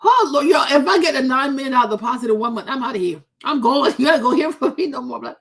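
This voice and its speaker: A woman doing casual reaction commentary on a video, exclaiming loudly and laughing often. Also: sits high, animated, fast, vocal fry.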